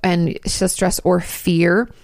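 Woman in her thirties, lowish voice, gravelly, chatty, rambling advice, dry close sound. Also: little pitch movement, takes it slowly, darkish tone, dry recording. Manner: chatty, rambling with asides and restarts. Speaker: YouTube host answering viewer questions. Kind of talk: casual advice talk.

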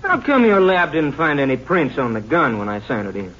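A man's voice: fairly high pitch, very animated, brisk, a bit bright, a little hiss or hum. An actor playing a defensive, skeptical lawman with a blunt, challenging manner in a 1950s radio western. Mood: assertive. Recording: muffled 1950s radio recording.

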